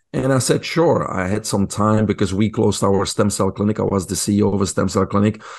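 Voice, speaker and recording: A man with a Belgian accent speaks at a moderate pace in a fairly low voice. The background is quiet. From Belgium. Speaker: health and performance expert. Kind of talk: interview.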